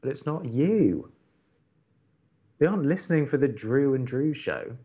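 A man playing an earnest, love-struck young college radio host in an audio drama, speaking in a deliberate, pleading way. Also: mid-range voice, lively intonation, dark tone, dull audio, natural voice. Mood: disapproving. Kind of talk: naturalistic audio drama acting.

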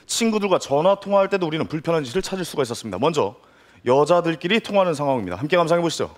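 A man's voice: on the high side, animated, rapid-fire. A man narrating a sketch comedy segment in a mock-serious tone, asking rhetorical questions with laughing asides. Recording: live studio stage with audience and noise. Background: audience crowd.

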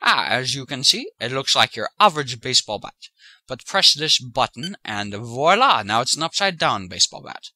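Man as zealous crackpot inventor, bright and sharp. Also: very animated, moderate pace, no echo, exaggerated voice. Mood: proud, smug. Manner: zealous, self-important, defensive pitching. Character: earnest, defensive crackpot inventor and ice cream truck driver. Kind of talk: sketch comedy audio drama.

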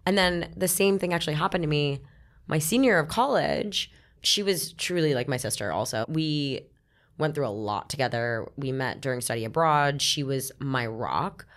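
A woman in her twenties co-hosting a podcast, telling personal stories in candid, self-deprecating casual chat. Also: low-pitched. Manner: candid, animated storytelling with self-deprecating laughs. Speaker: podcast co-host.

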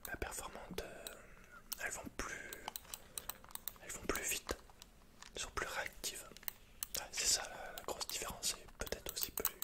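A young man whispers in a breathy, halting murmur, playing a salesman in an ASMR roleplay. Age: young adult. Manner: hesitant, halting, softly murmured. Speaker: ASMR performer playing a computer shop salesman. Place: indoors, quiet room with dark backdrop.

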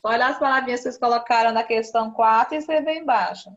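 A Brazilian woman teaching young children in an online class, patiently repeating key words slowly. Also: fairly high pitch, a bit bright, dull audio. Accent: Brazilian Portuguese. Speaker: primary school teacher. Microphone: video call.

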